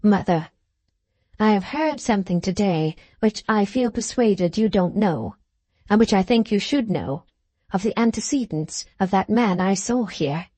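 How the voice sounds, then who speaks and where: A woman voicing an earnest, hushed grown son. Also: mid-range voice, animated, unhurried, no echo.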